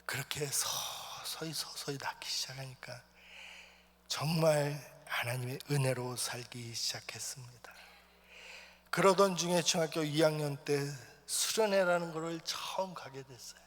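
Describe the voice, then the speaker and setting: A man preaching a personal testimony in church, swinging from loud, stirring lines to hushed whispers. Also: a little high, a little slow. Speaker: missionary preacher. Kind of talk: sermon testimony. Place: church sanctuary. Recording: long church hall reverb.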